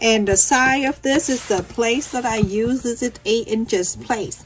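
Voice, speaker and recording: Over noticeable background noise, a woman with a fairly high pitch speaks at a fairly slow pace. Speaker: sewing tutorial creator. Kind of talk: tutorial.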